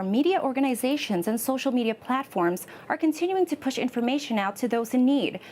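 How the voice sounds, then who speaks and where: Woman reporter reading a scripted news piece, voice on the high side. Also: a little mellow, a little hiss or hum.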